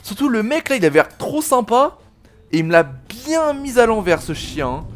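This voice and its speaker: Angry swearing gamer. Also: male voice, sits high, very animated, normal speed. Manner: swearing, slangy, talks to viewers as "les gars". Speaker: gaming video host. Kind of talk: let's play commentary.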